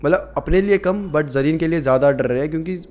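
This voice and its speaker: A man's voice: on the high side, fast, a little mellow. A man narrating a horror story in a casual, conversational way with many fillers.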